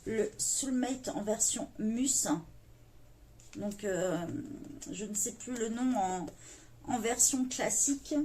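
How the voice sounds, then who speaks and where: A woman from France hosts her coloring channel, speaking to her viewers in a gentle, earnest tone. She often stops to search for words and fills the gaps with little hesitations. Her voice sits a touch higher than most. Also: slow pace, slight background noise. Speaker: YouTube coloring channel host. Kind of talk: casual video address to viewers.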